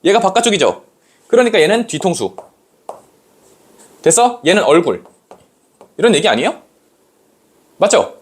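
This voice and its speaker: A man's voice: high voice, very animated, normal speed, pauses often, slightly rough. A man teaching a classroom lecture, acting out rhythms with sound effects and checking often that students follow. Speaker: Korean language tutor. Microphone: recorded lecture.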